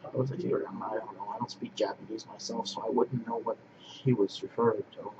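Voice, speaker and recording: Halting, rambling man, lo-fi recording. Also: on the low side, fairly even intonation. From northwest Pennsylvania. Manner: halting, repeats and restarts phrases. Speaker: language vlogger. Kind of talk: rambling monologue to camera. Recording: dull lo-fi sound with clear background noise.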